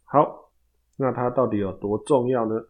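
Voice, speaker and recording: A man's voice: mid-range voice, steady tone, normal speed, phone-quality sound. A man with a Taiwanese Mandarin accent hosting a storytelling podcast, narrating casually with chatty asides to his listeners.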